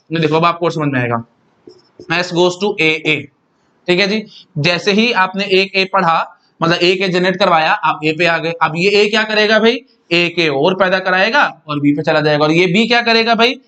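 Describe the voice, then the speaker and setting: Guy teaching, kinda high voice, chatty and repeats stuff a lot. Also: a bit bright. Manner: chatty, repeats words, often addresses listeners as brother. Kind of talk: casual lecture to students.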